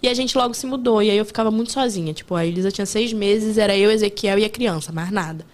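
A woman chatting candidly as a guest, telling stories quickly and openly. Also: mid-range voice. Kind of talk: casual chat.

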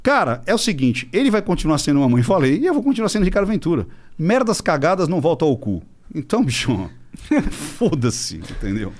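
A man's voice: fairly high pitch, fairly quick. A man telling a story in casual chat as an interview guest, acting out other people's voices and swearing freely. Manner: animated, acts out quoted voices.

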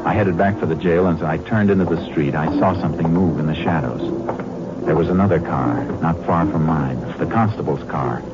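An American actor playing a tough, terse Texas Ranger in a 1950s western radio drama. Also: male voice, low voice, a little fast, lo-fi sound, over loud music, natural voice. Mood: tense narration. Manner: terse, dry, commanding. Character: tough, cool Texas Ranger lawman hero. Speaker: lead actor and narrator. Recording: noisy, band-limited old radio recording.

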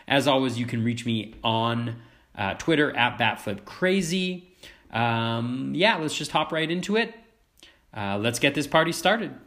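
A man's voice: medium pitch, expressive, a little slow, fairly bright tone. A man hosting a podcast while sick with a cold, his voice cracky, sniffling and coughing as he chats with enthusiasm and plenty of fillers. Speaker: podcast host. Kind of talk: casual podcast chat.

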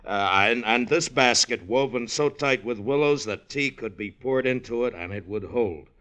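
An actor playing an earnest, awkward young gypsy peddler in a radio drama, hesitant in manner. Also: male voice, medium pitch, moderate pace, fairly bright tone, close to an everyday voice. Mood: flustered. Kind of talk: 1950s radio drama acting.

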